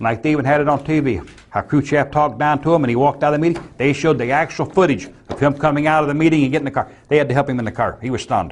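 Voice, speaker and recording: A man's fairly high voice, very fast, with fairly even intonation. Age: 60s. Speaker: prison inmate. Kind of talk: interview.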